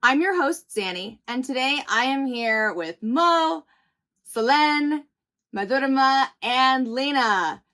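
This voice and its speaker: A woman's voice: high voice, lively intonation, takes it slowly, fairly bright tone. A woman from New Mexico hosting a panel discussion, upbeat and enthusiastic as she introduces guests and asks questions. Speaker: podcast host.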